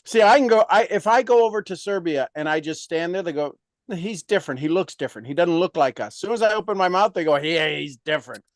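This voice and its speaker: A man coaching in an emphatic, motivational way, animated and firm. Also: a little high, fast, no echo. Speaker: sales coach.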